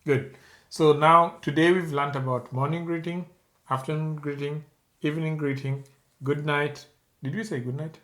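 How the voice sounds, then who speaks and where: A man's voice: fairly high pitch, fairly even intonation, moderate pace, pushed and bright. A man with a Kenyan accent giving a beginner language lesson, patiently instructing and prompting the learner to repeat. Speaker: language teacher.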